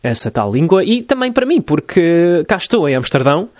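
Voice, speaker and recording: A man from New Jersey, talking in Portuguese as a podcast host, reflective and full of pauses and restarts. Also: fairly high pitch, sing-song, a little mellow, no echo, studio quality. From United States (New Jersey). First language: English. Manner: hesitant, many fillers and restarts, reflective. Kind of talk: casual solo podcast monologue.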